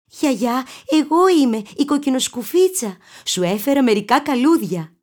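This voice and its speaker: Woman doing little girl in red hood, storybook, very high voice, eager, pleading. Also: expressive, a little mellow. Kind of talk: storybook character voice.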